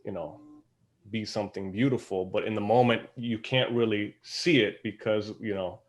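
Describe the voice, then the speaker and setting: Low-pitched man chatting reflectively. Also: fairly even intonation, moderate pace. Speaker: actor, panel guest. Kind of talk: casual panel conversation.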